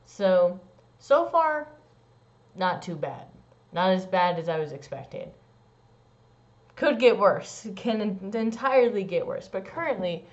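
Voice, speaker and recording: A young trans man vlogging a casual personal update, rambling with lots of "like" and "um" and swooping into squeaky high bits. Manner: rambling, many likes and ums. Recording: dull lo-fi sound.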